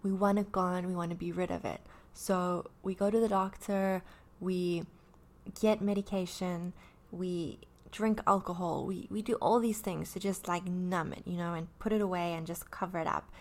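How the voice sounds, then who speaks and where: A woman's voice: fairly low pitch, steady tone, normal speed, a little mellow. A woman in her early thirties talking candidly about her own anxiety, rambling with many fillers and restarts. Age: 30s. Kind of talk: personal talk about anxiety.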